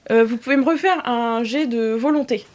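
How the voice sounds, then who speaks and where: A woman's voice: a little high, moderate pace, darkish tone. Hesitant woman running a tabletop game. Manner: hesitant, many fillers, laughs often. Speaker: game master. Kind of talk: narrating an improvised tabletop game.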